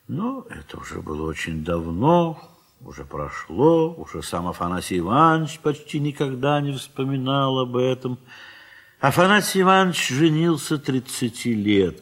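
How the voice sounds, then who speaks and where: A man narrating a radio play, reading literary prose in a measured, wistful way with soft, trailing phrase ends. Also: fairly low pitch, slightly rough.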